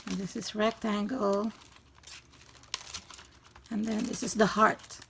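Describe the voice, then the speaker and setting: Husky-voiced woman with a gravelly edge. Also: mid-range voice, flat delivery, slow, fairly bright tone, slight background noise. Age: 50s. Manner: chatty, explains step by step. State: hoarse from allergies. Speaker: craft channel host. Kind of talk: casual DIY tutorial. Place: craft room in a home loft.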